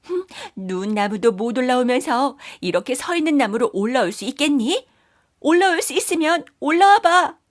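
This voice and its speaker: A woman's voice: high-pitched, expressive, moderate pace. A woman voicing a mother magpie who stands up to a bully with defiant taunts in a children's folktale.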